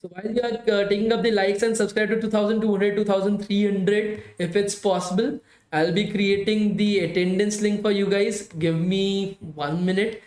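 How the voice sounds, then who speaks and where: A tired man runs a live bootcamp class, his voice strained after hours of talking. He speaks in a high register, chatty and repetitive, always calling his students "guys". The room around him has a noticeable echo. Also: flat delivery, moderate pace, darkish tone. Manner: chatty, repeats "guys" often, pleads for likes. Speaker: bootcamp instructor. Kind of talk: live-streamed coding class wrap-up.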